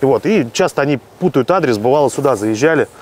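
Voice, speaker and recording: Man speaking at a fairly quick pace with lively intonation, a dry sound with no echo and light background noise. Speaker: local resident. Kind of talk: casual interview. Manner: halting. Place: street.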